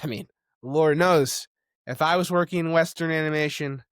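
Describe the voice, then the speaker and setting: A man's voice: on the high side, normal speed, a bit bright, clean tone, dry recording, clean studio sound. A man delivering opinionated video essay commentary in a conversational, insistent way, with informal asides. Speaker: commentator on film and animation.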